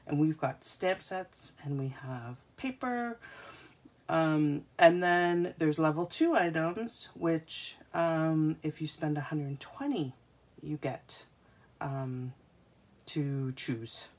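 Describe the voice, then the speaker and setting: A woman's voice: deep voice, a little mellow. A woman hosting a live craft demonstration, talking casually with many fillers and restarts. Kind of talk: casual live-stream demo.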